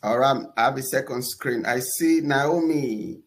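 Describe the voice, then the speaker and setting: A man with a Nigerian accent hosting a live webinar, energetic and enthusiastic, often pausing on "uh" and ending points with "okay?". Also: mid-range voice. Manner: energetic, enthusiastic shout-outs; fillers and repeated "okay?". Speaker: webinar host.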